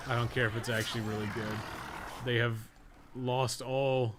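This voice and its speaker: A man's voice: medium pitch, flat delivery, normal speed, background noise. A man chatting casually on a live game stream, rambling through blunt opinions with plenty of swearing. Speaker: game streamer and podcast host.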